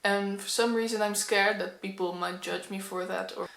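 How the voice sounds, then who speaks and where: A woman's voice: medium pitch, steady tone, moderate pace, creaky, a bit bright. A young woman from the Netherlands with a Dutch accent, chatting candidly to a camera at home, a little nervous and with frequent ums. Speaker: book vlogger. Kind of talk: casual talking-to-camera vlog. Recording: echoey room.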